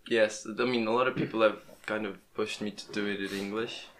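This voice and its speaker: Hesitant young man, low and flat. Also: fairly quick, a little hiss or hum. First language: Portuguese. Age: young adult. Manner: hesitant, restarts words often. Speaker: podcast host. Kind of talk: casual interview chat. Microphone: plugged-in podcast microphone.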